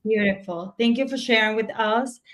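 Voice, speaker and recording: A woman's voice: fairly high pitch, a bit bright. A woman from the United States hosting an interview show, enthusiastic and encouraging toward her guest. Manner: enthusiastic, encouraging, drawn-out prompts. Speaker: show host.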